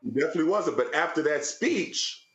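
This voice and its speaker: A man's voice: a little high, expressive, brisk, a bit bright, echoey room. A man as a panel guest on a commentary show, easygoing and agreeable, laughing along with the host. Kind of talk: conversational commentary.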